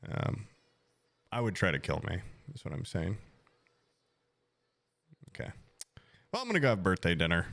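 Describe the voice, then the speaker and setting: A man's voice: sits low, huge pitch swings, moderate pace, vocal fry, pauses often, fairly bright tone, no room sound. A man in his late twenties, a streamer chatting casually and rambling with self-mocking jokes to his viewers. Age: 20s.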